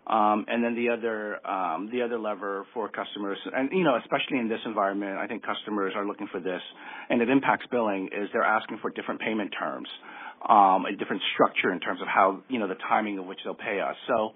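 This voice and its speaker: A man giving unscripted answers as a company executive, halting and repeating words as he goes. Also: lowish voice, slightly rough. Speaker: company executive on an earnings call. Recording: muffled narrowband phone line.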